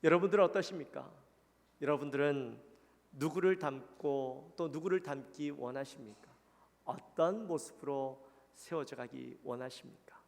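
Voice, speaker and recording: A man's voice: fairly high pitch, normal speed, gravelly. A male pastor with a Gyeongsang Korean accent, giving an earnest, conversational sermon and putting questions to the congregation. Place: church sanctuary. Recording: long church-hall reverb.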